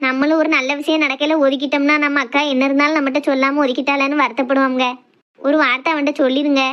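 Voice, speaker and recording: A woman's voice: high-pitched, little pitch movement, fast talker, highs cut off, close to an everyday voice. A woman voicing a fretting village mother, who consoles her family in a soothing way. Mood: earnest.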